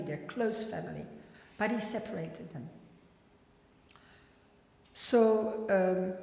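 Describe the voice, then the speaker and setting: A woman's voice: fairly low pitch, darkish tone. A woman teaching a scripture class, reading and explaining in plain, informal words. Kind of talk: scripture lecture with recitation and explanation. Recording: very echoey, reverberant hall.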